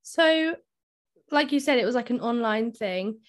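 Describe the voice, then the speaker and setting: A woman's voice: fairly high pitch, expressive, measured pace. A woman hosting a podcast, asking friendly, long questions full of fillers. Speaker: podcast host. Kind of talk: podcast interview.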